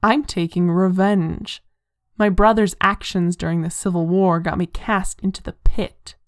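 A woman's voice: lowish voice, steady tone, a little slow, dry recording, studio quality, natural voice. A woman voicing a sneering, vengeful male demon in an audio story, scornful and commanding. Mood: sneering, bitter.

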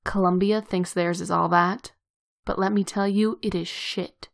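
A man's voice: sits high, normal speed, a bit bright. A cheerful, scruffy superhero archer, easygoing and wry, as a woman reader puts him on. He talks in a casual, offhand way in this read-aloud story. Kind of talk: fan fiction read aloud.

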